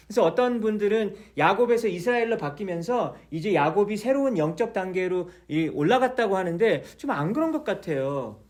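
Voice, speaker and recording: A man preaching a chatty, storytelling sermon, his slightly high voice swinging widely up and down. He keeps turning to the congregation with questions and now and then slips into the voices of the people in the story. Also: a little mellow. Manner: acts out the quoted speech of the people in his story. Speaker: pastor. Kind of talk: conversational sermon.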